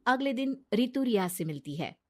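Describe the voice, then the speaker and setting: A woman narrating a cartoon moral story in a plain, steady storytelling manner. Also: on the high side, normal speed.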